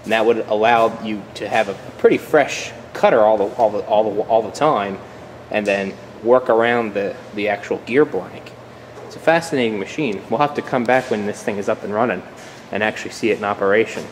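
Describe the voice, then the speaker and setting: A man's voice: on the low side, fairly quick, in a large hall, a little hiss or hum. A man hosting a casual vlog tour of a machine shop, easygoing and stumbling over words as he explains. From United States. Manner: easygoing, repeats words while thinking. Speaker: channel host. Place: machine shop at an outdoor engine show.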